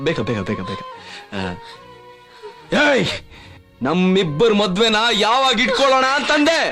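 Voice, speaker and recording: A man's voice: fairly high pitch, big pitch swings, moderate pace, soft background music. A man playing a brash young rowdy who teases and threatens the woman he loves, repeating his words and swinging to sudden threats. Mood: menacing teasing. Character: brash young male rowdy, menacing lover. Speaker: lead actor in a feature film. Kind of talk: dramatic film acting. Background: film score.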